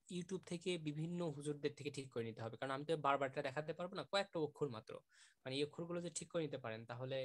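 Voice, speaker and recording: A man teaching an online class, gently praising students and repeating sounds to demonstrate them. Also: medium pitch.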